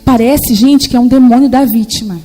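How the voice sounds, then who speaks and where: A Brazilian woman in her forties preaching a sermon with lively, animated storytelling in which she acts out the voices she quotes. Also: fairly high pitch, a little fast, rough recording. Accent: Brazilian Portuguese.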